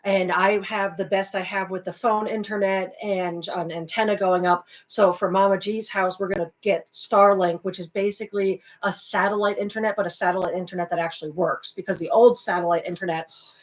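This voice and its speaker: A calm woman co-hosts a relaxed livestream and explains things at length in an easy, wandering way. Her voice has an ordinary middle pitch for a woman. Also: a little fast, hardly any pauses. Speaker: livestream co-host. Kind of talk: casual livestream chat.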